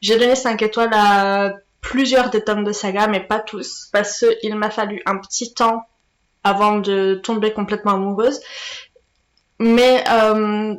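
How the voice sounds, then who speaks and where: A woman's voice: mid-range voice, steady tone, a little slow. A woman hosting a casual book review vlog, chatty and hesitant with many fillers and restarts. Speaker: booktuber. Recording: echoey room.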